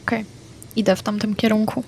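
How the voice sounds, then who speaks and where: Woman playing a vampire tabletop game, pretty monotone, straight to the point. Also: medium pitch, slightly rough. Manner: quick, plain, declares actions. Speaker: player.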